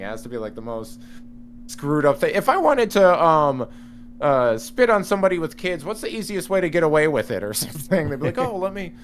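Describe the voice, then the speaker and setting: Animated rambling man in casual chat. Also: on the high side, a little hiss or hum. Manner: animated, rambling with many restarts and fillers. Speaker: podcast guest.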